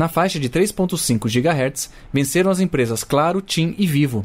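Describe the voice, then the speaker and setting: Speaking in a Brazilian accent, a man uses lively intonation at a fairly high pitch. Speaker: news reader. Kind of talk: formal news reading. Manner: formal; steady, measured.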